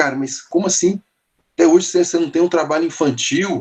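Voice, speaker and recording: A man with a Minas Gerais accent at a moderate pace. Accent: mineiro. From Minas Gerais, Belo Horizonte. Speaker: children's music teacher and songwriter. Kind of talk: casual chat. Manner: halting, frequent repetitions.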